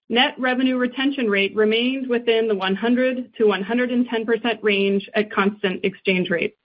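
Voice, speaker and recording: Woman, fairly high voice, scripted financial report, formal measured delivery, slightly dull conference-call sound. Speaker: company finance executive. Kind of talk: scripted earnings call presentation. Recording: dull, band-limited conference call audio.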